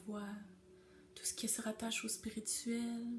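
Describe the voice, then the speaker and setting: A woman at a very slow pace with monotone, flat intonation, amid noticeable background noise and audible room echo. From Quebec, Abitibi. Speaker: voice and sound healing guide. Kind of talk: spiritual workshop introduction. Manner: hesitant, stumbling.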